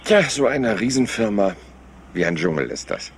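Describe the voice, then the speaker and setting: A man playing a rumpled, persistent middle-aged police inspector in a German-dubbed crime drama, husky, polite and offhand. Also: on the low side, very animated, normal speed, noisy background. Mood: pensive.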